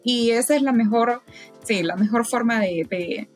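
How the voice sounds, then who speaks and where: Woman on a podcast, kinda high voice, lots of ums and restarts, faint music behind. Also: unhurried. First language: Spanish. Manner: hesitant, many "eh" fillers and restarts. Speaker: podcast guest, event volunteer. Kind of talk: casual interview advice.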